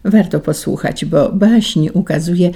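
A woman presenting a children's radio program, introducing the next reading in a measured way. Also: fairly low pitch, dark tone, slightly rough. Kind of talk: program announcement.

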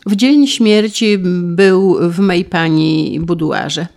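A woman voicing a frightened young maidservant who gives nervous but clear testimony. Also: fairly low pitch, slow pace, a little mellow.

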